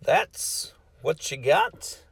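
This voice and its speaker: A man's voice: drawn-out words, a bit bright, no room sound, studio quality. A man playing a theatrical, mock-formal host of a spoof comedy talk show. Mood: needling. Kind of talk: scripted comedy interview.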